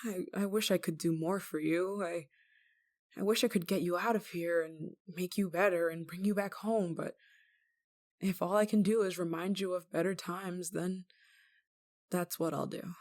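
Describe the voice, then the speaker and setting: Woman acting fragile, halting, lovesick young woman. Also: on the low side, close to an everyday voice. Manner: halting, stammering, emotionally fragile. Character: desperate, guilt-ridden young woman, obsessive lover, tender and anxious. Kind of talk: intimate dramatic audio roleplay.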